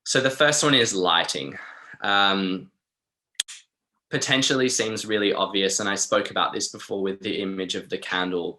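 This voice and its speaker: An Australian man presenting a wellbeing webinar in an informal, chatty and encouraging way, often softening his points. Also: low voice.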